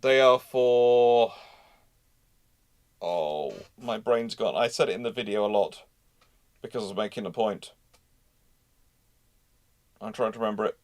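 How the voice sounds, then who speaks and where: In a live history Q&A, a man thinks aloud, talking discursively and repeating phrases while he hunts for words. His voice is lowish, his pace measured, and he pauses often.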